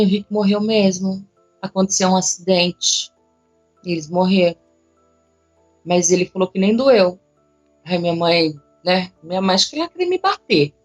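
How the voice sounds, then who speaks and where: Emotional woman. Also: mid-range voice. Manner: emotional, animated storytelling with casual slang. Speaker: interviewee, psychic. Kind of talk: personal storytelling in an interview.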